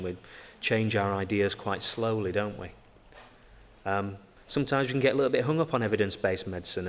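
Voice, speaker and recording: A man with a Yorkshire accent giving a conference lecture, halting with frequent ums and a self-deprecating manner. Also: fairly low pitch. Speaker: conference speaker. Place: lecture hall. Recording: lecture hall reverb, faint ambience.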